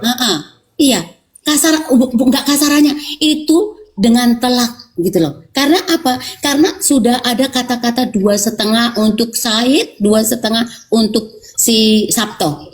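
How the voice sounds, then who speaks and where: A woman talking as a guest on a live stream, upset and rambling, with halting restarts. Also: a little high. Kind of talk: emotional live stream talk.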